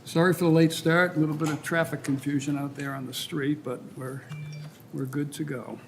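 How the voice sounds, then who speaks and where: A man's voice: fairly high pitch, little pitch movement, normal speed, creaky, soft background music. A man chairing a public meeting in a semi-formal way, in a town hall meeting room. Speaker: commission chair. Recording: meeting room with faint noise.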